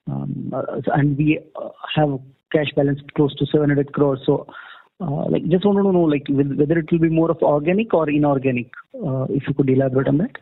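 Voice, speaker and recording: A man's voice: a little high, creaky. A man asking a question as an analyst caller, polite, hesitant and roundabout. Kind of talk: earnings call questioning. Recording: tinny phone line.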